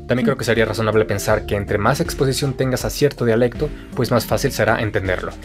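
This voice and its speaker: A Mexican man with a Mexican Spanish accent, giving a quick, measured explanation in a video. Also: medium pitch. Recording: clip played with guitar music behind. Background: guitar music.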